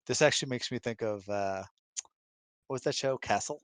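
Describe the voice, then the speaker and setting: A man talking casually in a question-and-answer chat, explaining things in a thoughtful, halting, emphatic way. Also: mid-range voice, fairly bright tone, dry recording. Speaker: husband co-hosting a live Q&A. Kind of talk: casual conversational advice chat. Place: close-miked online voice chat, dry.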